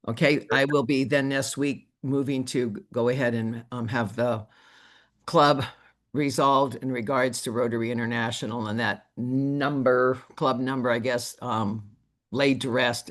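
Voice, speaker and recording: A man in charge of a district talks through a difficult decision on a recorded call. He speaks in a measured, halting way and fills pauses with ums and uhs. His voice sits at an everyday middle pitch. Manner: measured, hesitant, many fillers. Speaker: district leader.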